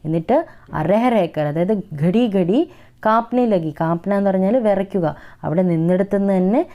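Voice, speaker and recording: A woman teaches young children a Hindi poem. She reads the verses slowly in a sing-song way, then goes back over each word and asks the class simple questions. Her voice is mellow and warm, set at an ordinary pitch. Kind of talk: children's lesson, reading and explaining a poem.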